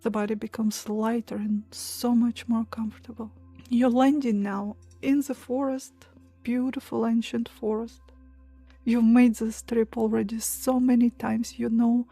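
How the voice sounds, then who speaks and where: Slow, breathy woman guiding meditation. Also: a little high, dry recording. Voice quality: soft, breathy, near-whisper at times. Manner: soothing, hushed, pausing between short phrases. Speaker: meditation guide. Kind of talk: guided meditation, hypnotic relaxation countdown.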